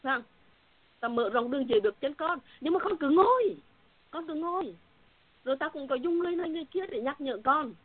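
A woman's voice: high voice, lively intonation, fairly quick, voice pushed up. A stern yet loving fatherly God, as a woman puts him on while retelling her prayer, admonishing in a tender, firm way. The sound is thin and tinny like a phone line, with no room echo at all.

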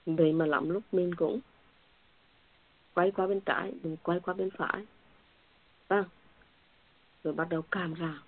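Over a tinny line that sounds like a phone, a woman from the church speaks about her faith to other believers in an earnest, repetitive way, with emotional moments. Her lowish voice is unhurried with fairly even intonation, and she pauses often.

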